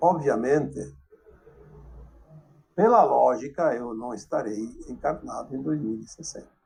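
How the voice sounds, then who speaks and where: A man's dark, mellow, medium-pitched voice with vocal fry, lively intonation and big swings in loudness, fairly slow with long, frequent pauses. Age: 70s. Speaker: spiritual teacher. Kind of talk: spiritual talk.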